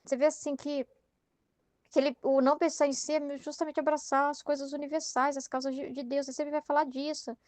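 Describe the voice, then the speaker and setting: A woman's voice: high voice, flat delivery, a little fast, darkish tone, dry recording. A Brazilian woman reading a devotional text aloud and commenting on it in a chatty way, often tagging her sentences with fillers. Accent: Brazilian Portuguese. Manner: conversational, many fillers like "né". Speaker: Catholic study leader.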